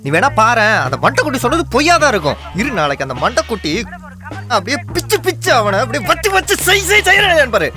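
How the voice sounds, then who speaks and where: A man acting the hero's excitable, bickering friend in a film comedy, speaking with a Tamil accent. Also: high-pitched, racing, hardly any pauses, over music.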